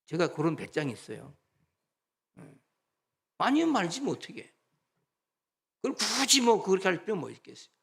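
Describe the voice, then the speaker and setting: Pastor, male, fairly high voice, lively conversational sermon delivery with rhetorical questions. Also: moderate pace, gravelly, long pauses. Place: church sanctuary.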